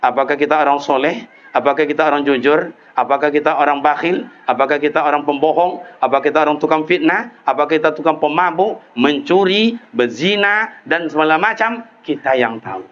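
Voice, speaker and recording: A man preaching a sermon to a gathering, firing off rhetorical questions and leaping up high in pitch. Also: a little fast, fairly bright tone, highs cut off.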